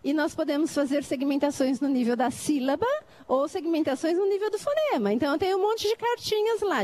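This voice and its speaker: A woman's voice: sits high, darkish tone. A middle-aged woman from Brazil on a debate panel, explaining literacy activities and often checking whether listeners follow. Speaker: lecturer on literacy teaching.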